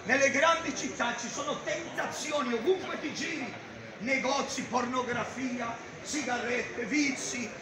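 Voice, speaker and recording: High-voiced man preaching loudly in a street. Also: unhurried. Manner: loud, declaiming, gesturing with a Bible. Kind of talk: open-air street preaching. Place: busy town street outdoors. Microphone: far camera. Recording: echoey street with crowd noise. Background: crowd and passers-by.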